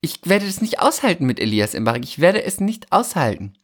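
A woman actress in casual chat, excitable and dramatic, quick to laugh. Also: on the low side, breathy edge.

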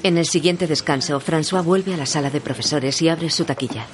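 Even audio description narrator. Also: mid-range voice, a little fast, background noise.

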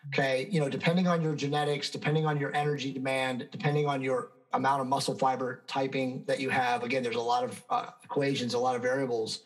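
A man's voice: mid-range voice, rough recording. Confident man in his fifties, a fitness guest who lectures emphatically, mid-range voice. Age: 50s. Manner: emphatic, self-assured, lecturing. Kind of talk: conversational interview answers.

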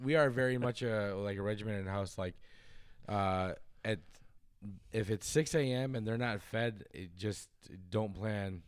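Smooth-voiced joking man on a podcast. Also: fairly low pitch, measured pace, dry recording, studio quality. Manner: jokey, playful sign-offs. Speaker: podcast co-host. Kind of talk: casual chat.

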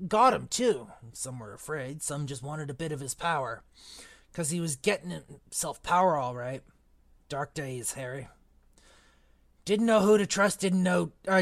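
A man performs a big, gruff giant from a storybook, plain-spoken and full of feeling. The speech is rustic, with dropped consonants, pitched a little high for a man and recorded dry. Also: no room sound. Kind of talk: audiobook character acting.

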